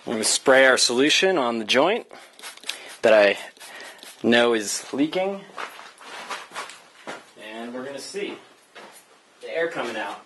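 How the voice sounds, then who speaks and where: A young man talks through his plumbing work in a relaxed, step-by-step way, his pitch sitting in the middle range. It is picked up on a camera mic inside a building under construction, with a faint hiss and clicks behind him. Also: measured pace, long pauses. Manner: relaxed, explains step by step with fillers. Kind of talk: casual how-to narration. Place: indoors in a tire-walled building under construction.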